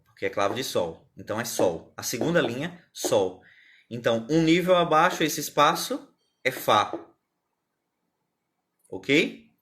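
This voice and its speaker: A man's voice: medium pitch, fairly bright tone. A man teaching music theory on a live stream, patiently explaining step by step and asking viewers questions.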